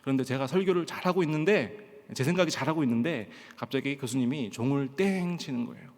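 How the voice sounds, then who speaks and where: A man's voice: mid-range voice, fairly quick, a little mellow. Male Korean pastor from Pohang, storytelling sermon voice, long church reverb. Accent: standard Korean, trained out of Gyeongsang dialect. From Pohang, South Korea. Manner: storytelling with frequent "예" fillers and acted-out quotes. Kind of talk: sermon at a Friday prayer meeting. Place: church sanctuary.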